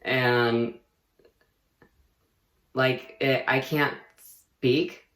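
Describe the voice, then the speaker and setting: A young man talks casually to his camera, rambling through a personal update. He leans on fillers, restarts his thoughts and laughs easily. His voice sits at a middling pitch and rings around a roomy, echoey space. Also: fairly even intonation, extremely slow, a bit bright. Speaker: vlogger. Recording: echoey room.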